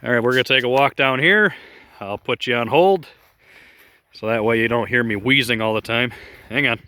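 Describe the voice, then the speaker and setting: A man's voice: mid-range voice, normal speed, sharp tone, clear, resonant tone, no room sound. Chatty man rambling outdoors on a phone. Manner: rambling and chatty, with many fillers. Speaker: model airplane club member giving a field tour. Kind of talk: casual walking tour narration. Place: outdoors at a grassy flying field. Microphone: phone held while walking.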